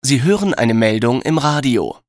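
A man giving scripted test instructions in a neutral, measured manner. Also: medium pitch, animated, no echo, studio quality. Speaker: exam narrator.

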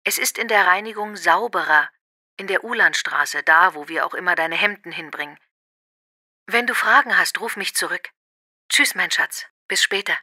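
Very bright sharp voice, actress as affectionate woman leaving her partner a voicemail, clear diction, dry sound. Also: lowish voice, moderate pace, no room sound. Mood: affectionate, asking. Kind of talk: acted voicemail message for a listening exercise.

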